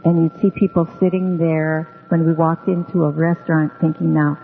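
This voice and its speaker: A deep, creaky female voice with flat delivery tells a meandering story over slight background noise. The speaker, from Hawaii with Hawaiian as her first language, is an unhurried radio interview guest who says um a lot. Her audio is narrow and phone-like, with long echoing reverb and faint music.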